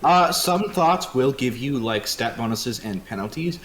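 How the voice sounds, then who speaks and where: Man explaining game rules lively. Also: mid-range voice, measured pace, a crowd in the background. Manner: explanatory, helpful. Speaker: co-host guiding the game. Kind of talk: casual explaining chat.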